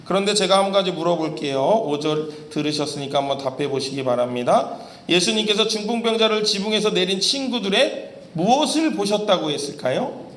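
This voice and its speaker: High-voiced male preacher in an echoey room. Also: animated, brisk, a bit bright. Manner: asks the audience questions and answers them. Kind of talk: sermon. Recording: echoey room with faint noise.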